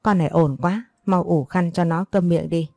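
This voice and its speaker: A brutal male gang boss , as a woman narrator puts him on, barking rough and scornful orders. The voice is low and dark, recorded dry and close for an audio story. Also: steady tone, moderate pace, no echo. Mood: harsh.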